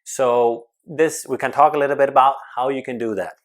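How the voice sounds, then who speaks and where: A man coaching on public speaking, talking to the camera with emphatic, energetic delivery, quick bursts and sudden slowdowns. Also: mid-range voice. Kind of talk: advice talk to camera.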